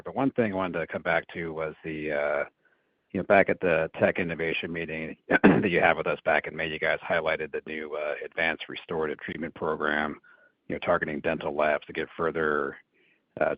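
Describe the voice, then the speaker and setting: Very deep male analyst, dull call audio. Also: dry recording. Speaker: financial analyst asking questions. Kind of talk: conference call questioning.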